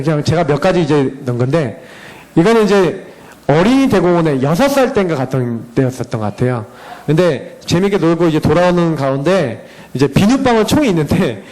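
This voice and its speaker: Dad in his 30s giving a church talk with slides, kinda high voice, swoops up and down a lot telling stories about his kids. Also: rough recording. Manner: animated storytelling, acting out dialogue with his children. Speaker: parent speaking at a church education session. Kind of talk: presentation with slides.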